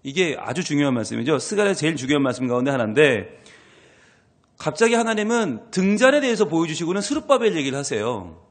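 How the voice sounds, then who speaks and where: A man's voice: a little high, very animated, fast talker. A male pastor preaching a dawn prayer sermon, asking the congregation questions and acting out little dialogues as he explains scripture.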